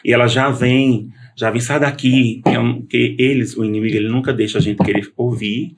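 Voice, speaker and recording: A man's voice: mid-range voice, fairly even intonation, brisk. A man as a podcast guest, telling his conversion story in earnest, with many restarts. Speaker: interview guest. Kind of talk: testimony in a podcast interview.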